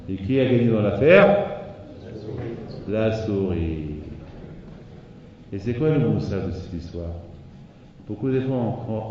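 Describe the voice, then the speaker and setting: A man giving a sermon, telling a fable in a lively way and acting out the animals. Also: fairly low pitch, a little hiss or hum. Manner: lively storyteller who acts out the animals. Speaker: rabbi. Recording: echoey hall from far off, dull.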